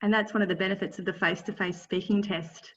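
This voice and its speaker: A woman's voice: medium pitch, steady tone, quick pace, a bit bright, a little hiss or hum. A woman with a Tasmanian accent who moderates a webinar and reads out audience questions. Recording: dull distant webinar audio.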